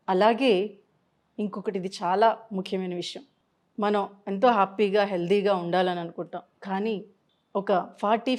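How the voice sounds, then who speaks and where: A woman counselor giving a health advice talk to camera, explaining through patient stories and mixing in English words. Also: mid-range voice.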